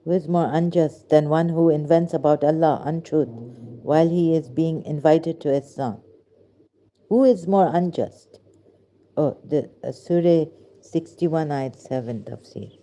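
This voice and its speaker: A vlogger with a Pakistani accent offers rambling, sarcastic religious commentary in broken English. Her deep voice is warm and unhurried.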